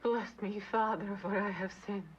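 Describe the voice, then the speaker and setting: An actress playing a weak, pious, ailing mother in a period film, hushed and reverent on dull audio. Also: medium pitch, steady tone, moderate pace, slight background noise, close to an everyday voice. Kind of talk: scripted period film drama.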